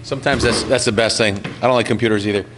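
A man's voice: lowish voice, fairly even intonation, very fast, noisy background. A man hosting a video visit to a small bakery, full of enthusiastic, effusive praise for the food. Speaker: video host. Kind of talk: casual chat. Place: small bakery shop, indoors.

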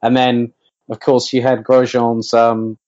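A man's voice: medium pitch, level tone, unhurried, darkish tone. Guy on a racing podcast panel, wry, laughs easy, bit muffled. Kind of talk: casual motorsport panel chat.

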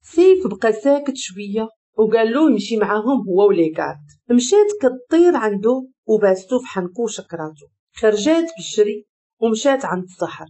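A woman with a Moroccan accent narrating a dramatic family story in an expressive way. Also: a little high, a little fast, breathy edge.

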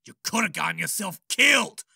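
A man playing a gruff, hot-tempered country character in an audio drama, with a Southern US accent and folksy speech. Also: high voice, lively intonation, brisk, bright, forceful tone, no room sound, raised voice, clean studio sound, full character voice. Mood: angry.

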